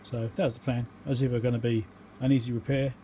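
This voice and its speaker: A man's voice: mid-range voice, level tone, quick pace, dark tone, a little hiss or hum. A man giving a casual technical explanation as a repair video host, rambling and matter-of-fact as he thinks aloud.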